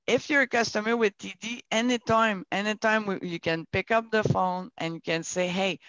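Woman on a panel call, smooth clear voice kinda high for her, dry sound a bit muffled, lots of restarts. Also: fairly bright tone, no echo. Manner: earnest, searching for words with many restarts. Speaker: business panelist from a bank. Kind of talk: panel discussion over a video call.

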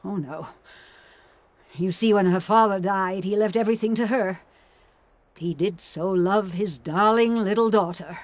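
A woman's voice: medium pitch, measured pace, no room sound, lightly acted. An actress playing a self-pitying elderly mother-in-law in an audio drama, with a martyred, disapproving manner. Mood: bitter, disapproving. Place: studio booth. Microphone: studio condenser with pop filter.

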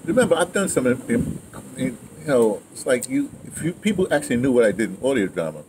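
Recorded in a building's patio or yard amid clearly noisy outdoor ambience, this interviewee is an audio drama veteran in his seventies. His mid-range voice is very animated and brisk as he reminisces conversationally, repeating phrases along the way.

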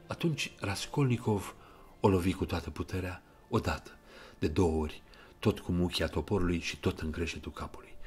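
A man narrating an audiobook retelling of a novel in an even, measured way, quoting passages. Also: low voice.

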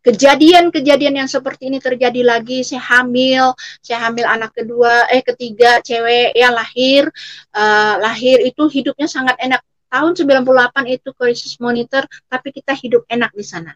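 There's no room sound as a middle-aged guest from Riau, Indonesia, shares her testimony at a normal pace. Her high voice stays steady, and she keeps repeating the same phrases throughout.

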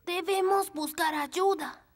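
Very high-voiced little elf boy. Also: takes it slowly, a little hiss or hum. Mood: worried. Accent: Latin American Spanish. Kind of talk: children's cartoon dubbing.

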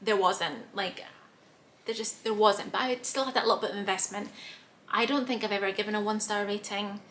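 Young woman, bright voice, a bit hoarse, rambly book chat in a little room with faint hiss. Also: medium pitch, a little fast. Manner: chatty, rambling, many fillers and restarts. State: slightly hoarse, clearing throat. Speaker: book vlogger. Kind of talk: casual chat to camera. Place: small room with bookshelves, indoors.

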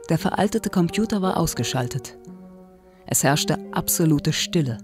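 A narrator reading scripted scene descriptions for an audio drama. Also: mid-range voice.

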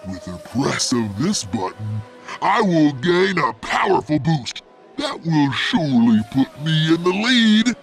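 A man's voice: on the high side, very animated, measured pace. A man voicing a boastful, menacing cartoon big bad wolf in a theatrical, gloating manner for children. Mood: boastful, scheming. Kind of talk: children's animated storytelling. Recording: music behind the voice.

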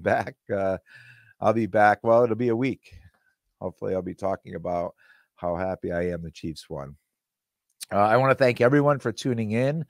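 Hoarse, rambling male podcast host. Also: lowish voice, darkish tone, dry recording. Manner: rambling, repeats and restarts words. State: slightly hoarse, losing his voice. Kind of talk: solo podcast monologue. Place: small room with green-screen backdrop. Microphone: studio mic on boom arm. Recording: dry close-miked sound.

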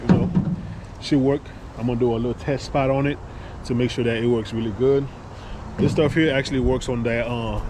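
A man vlogging casually while he works outdoors, with a laid-back, colloquial way of thinking aloud. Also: mid-range voice. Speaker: pressure washing business owner and vlogger. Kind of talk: casual talk to camera while working. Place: outdoors beside a work truck. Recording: noisy outdoor recording with vehicle ambience.

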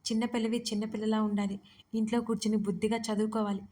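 A woman's voice: on the high side, little pitch movement, fast, warm tone, a little hiss or hum, close to an everyday voice. A woman narrator voicing a sly, teasing young husband in an audio story.

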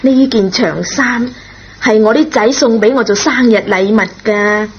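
An actress playing a kind, forgiving schoolteacher in a radio drama, speaking in a gentle, measured, reassuring way. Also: female voice, on the high side. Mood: friendly, instructing. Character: kind, forgiving, patient female schoolteacher, a parent. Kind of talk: Cantonese radio drama acting. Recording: dull, noisy old radio recording.

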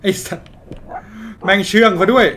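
A man commentating a horror game, swearing freely and reacting loudly. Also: moderate pace, slight background noise. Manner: crude, swearing, excitable reactions.

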